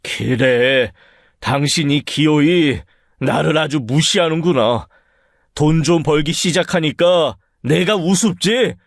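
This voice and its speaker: Guy doing a grumpy sick husband, harsh nagging voice pitched high, dry and close. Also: slow pace, gravelly, no echo. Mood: bitter. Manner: harsh, nagging, rising to shouts. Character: irritable, sick middle-aged husband who scolds his wife. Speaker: voice actor in a story drama. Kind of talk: radio drama acting.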